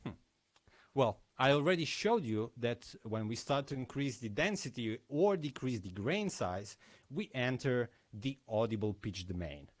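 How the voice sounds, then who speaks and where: A man's voice: medium pitch, sing-song, a little slow. A man speaking at a conference, giving a technical lesson with explanatory commentary on live demos.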